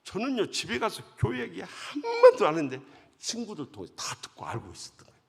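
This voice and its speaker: Husky, dramatic revival preacher. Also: male voice, high-pitched, huge pitch swings, fast talker. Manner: dramatic, swings from hushed to loud. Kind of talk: emotional revival sermon storytelling. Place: large church sanctuary. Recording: long church hall reverb.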